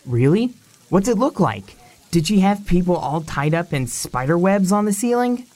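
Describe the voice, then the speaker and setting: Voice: medium pitch, very animated, normal speed, darkish tone, lightly acted. An actor playing an eager, cheeky teenage fantasy fan in an audio drama, chatting casually. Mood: cheeky, curious.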